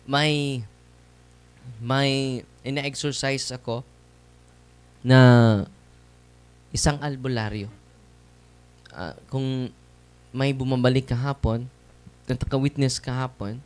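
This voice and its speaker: This Catholic priest speaks in a smooth, mid-range voice with fairly even intonation, taking his time and leaving long pauses. He's preaching a conversational testimony to a live, seated audience in a church or hall, frequently tossing tag questions their way.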